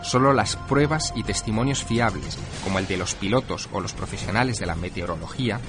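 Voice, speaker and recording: Deep-voiced male narrator over music. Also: fairly quick. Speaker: documentary narrator. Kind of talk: scripted documentary narration.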